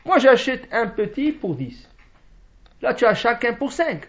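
A man giving a Torah lesson as a lively storyteller, acting out the characters' lines. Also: extremely high pitch, a little slow. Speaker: rabbi. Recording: dull lo-fi recording.

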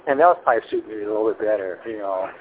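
A man in his sixties selling his home, talking on a phone call in a halting, rambling way full of fillers and restarts. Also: lowish voice, slight background noise. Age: 60s. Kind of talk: casual phone conversation. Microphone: telephone. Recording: tinny phone line.

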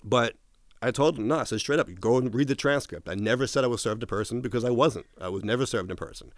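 A man's voice: medium pitch, fast, dry recording. A man being interviewed, retelling a long story in a casual way, restarting often and quoting what others said. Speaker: interview guest.

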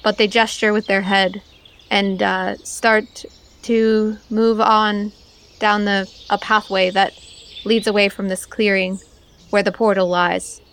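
A woman's voice: medium pitch, flat delivery, slow pace, fairly bright tone, slight background noise. A woman narrating as game master of a tabletop game, thinking aloud with frequent fillers.

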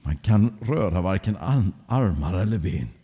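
A man telling a children's story aloud in a lively way, speaking directly to young listeners. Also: low-pitched, slightly rough, long reverb tail.

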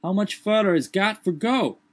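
Man putting on a fretful old servant, high pitched, husky, thick dialect, lively sing-song. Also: unhurried, full character voice. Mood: calling down. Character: fretful old manservant up a tree. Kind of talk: audiobook character voice.

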